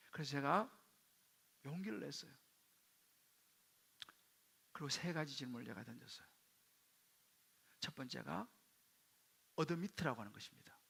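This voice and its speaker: A male pastor telling a personal story in a sermon, dropping to hushed quoted asides and rising into sudden loud bursts. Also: a little high, gravelly, slightly rough. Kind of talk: sermon testimony.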